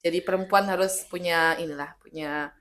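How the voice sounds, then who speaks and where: A middle-aged woman with a hoarse voice from illness, telling stories as a guest in a casual interview and acting out quotes. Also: fairly low pitch, fairly quick. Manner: lively, animated storytelling with acted quotes. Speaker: guest speaker, army officer's wife.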